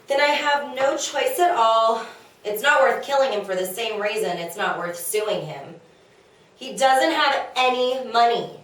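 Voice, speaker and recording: A woman's voice: on the high side, lively intonation, a little slow, a bit bright. A woman playing an exasperated, insecure wife in a comedic table read, with a plaintive, griping, colloquial delivery. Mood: aggrieved. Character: exasperated, henpecking young-to-middle-aged wife of Socrates, insecure. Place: echoey room, away from mic. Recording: very echoey room, distant mic.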